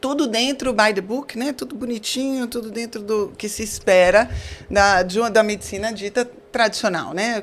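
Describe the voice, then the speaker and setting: A woman with a plain, everyday voice talks at fairly high pitch with ordinary pitch variation. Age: 40s. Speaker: physician. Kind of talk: podcast interview.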